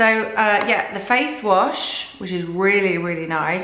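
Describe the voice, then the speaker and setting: There is audible room echo around the voice. A woman speaks with an English accent. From England. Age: 30s. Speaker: family and food vlogger. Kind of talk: casual vlog monologue. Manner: chatty, filler-heavy. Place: home room. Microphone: phone near.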